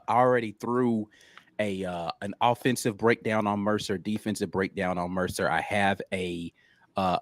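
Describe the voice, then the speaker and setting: A man's voice: sits low, no echo, studio quality. A man co-hosting a sports podcast, talking laid-back and loose with plenty of ums and slang. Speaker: podcast co-host, film analyst. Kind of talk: casual sports talk.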